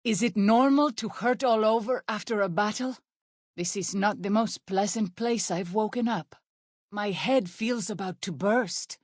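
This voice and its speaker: A woman playing an earnest, protective tribal healer in a video game, speaking in formal, measured wording. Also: mid-range voice, dry recording, clean studio sound, close to an everyday voice. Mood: weary, hurting. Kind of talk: video game character voice lines.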